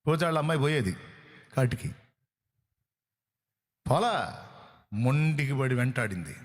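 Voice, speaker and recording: Expressive and unhurried, a mid-range male voice with a Telugu accent preaches emphatically. The pastor presses his case through rhetorical questions and by voicing other people's words.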